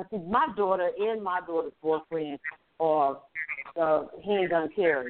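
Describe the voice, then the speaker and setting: In an unremarkable speaking voice, a woman speaks at a moderate pace with a fairly low pitch and ordinary pitch variation. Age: 60s. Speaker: caller and grandmother. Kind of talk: call-in radio discussion.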